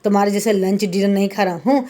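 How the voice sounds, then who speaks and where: A stern, possessive young male student, as a woman reads him out. He speaks in a low-key, mellow tone and lays down firm rules for others in a story retelling. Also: steady tone, fast, lightly acted.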